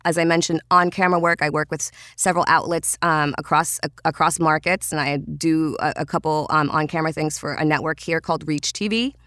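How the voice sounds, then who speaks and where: Trinidadian woman, lower register, dry close recording, animated interview guest. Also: no room sound. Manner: animated, quick, with frequent restarts and fillers. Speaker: voiceover artist and podcast guest. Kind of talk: casual interview talk.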